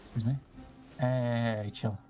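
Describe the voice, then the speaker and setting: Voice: mid-range voice, flat delivery, slow pace, mellow, faint music behind. A game streamer giving casual, playful commentary with slangy, sing-song asides. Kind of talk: casual gameplay commentary with dramatic reading.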